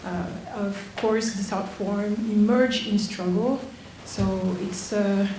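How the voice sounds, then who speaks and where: A woman from Switzerland, not a native English speaker, talks slowly and earnestly at a mid pitch, pausing between phrases. Her voice rings through an echoey theater with faint noise behind it. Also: steady tone, dark tone. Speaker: dancer and performer. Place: theater auditorium.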